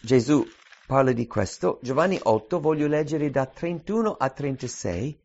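A man preaching a sermon and reading scripture aloud, with an emphatic delivery that slows on key phrases. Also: mid-range voice, expressive, creaky, darkish tone. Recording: dull lo-fi recording.

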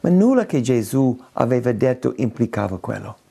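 A man's voice: mid-range voice, big pitch swings, moderate pace, creaky, warm tone, slightly rough. A man preaching a sermon in an emphatic way, repeating words for stress.

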